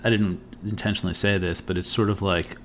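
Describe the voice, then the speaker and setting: A man's voice: low voice, steady tone, fast, slight background noise. A man co-hosting a casual podcast, telling rambling work stories with swearing and frequent "right?" asides. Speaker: podcast co-host.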